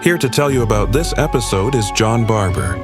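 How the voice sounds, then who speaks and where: A male announcer opening a radio show in a smooth, formal manner. His voice sits slightly low, and loud theme music plays under him. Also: animated, fairly quick. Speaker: program announcer.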